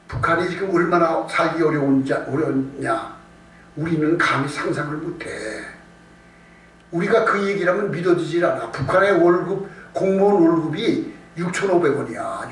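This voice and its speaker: The preacher's voice is a little high and a bit bright. In a conversational Korean evening sermon he speaks emphatically, circling back to phrases and asking rhetorical questions. The church room echoes, and the far-off mic adds noise and hum.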